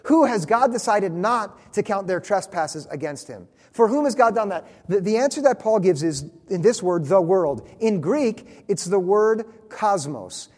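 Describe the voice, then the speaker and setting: A man preaching a sermon, earnest and emphatic, slowing down to stress key phrases. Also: high-pitched, darkish tone. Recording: long reverb of a large hall.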